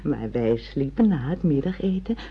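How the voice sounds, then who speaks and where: A woman's voice: low-pitched, expressive, lo-fi sound, slight background noise. An actress playing a sensual wife who intimately coaxes her husband in a radio play. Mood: coaxing. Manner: slow, intimate, cajoling. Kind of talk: radio play acting in Dutch.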